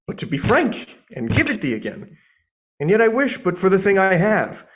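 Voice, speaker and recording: An earnest, impulsive young woman in love, acted by a man, speaking Shakespearean verse in a fairly high voice. The delivery is theatrical and devoted, as in an amateur stage reading. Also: wildly swooping pitch, normal speed, fairly bright tone, heavily acted.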